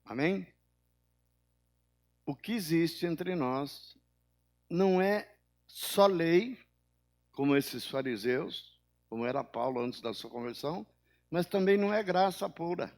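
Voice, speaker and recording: Older pastor preaching with sudden rises. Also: male voice, animated, slow pace, pauses often. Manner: preaching with sudden rises in pitch and volume, then dropping low; acts out the people in his stories in a higher voice. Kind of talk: sermon.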